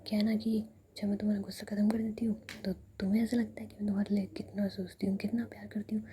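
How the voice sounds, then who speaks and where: A woman's voice: mid-range voice, flat delivery, quick pace, warm tone, slight background noise, lightly acted. A woman whispering the lines of a playful, teasing young woman in love, in a coaxing manner. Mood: affectionate.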